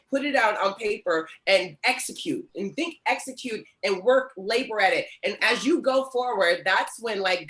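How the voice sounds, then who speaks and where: A woman in her thirties from Oregon hosting an online workshop over a video call from home, talking in an animated, encouraging way. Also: medium pitch, rough recording. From Oregon, USA. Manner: animated, encouraging, gestures a lot. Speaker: host and prophetess. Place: home room with patterned curtains. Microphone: laptop mic on video call.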